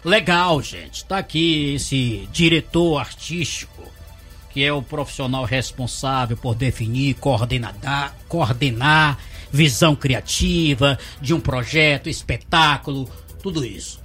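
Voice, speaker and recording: A man's voice: medium pitch, unhurried, faint music behind. A man hosting a casual radio interview, chatty and joking as he asks questions. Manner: chatty, jokey, lively questioning.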